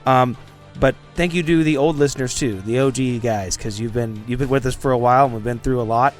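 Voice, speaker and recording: Male podcast host, medium pitch, loose hesitant outro, soft music underneath. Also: brisk. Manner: hesitant, unscripted.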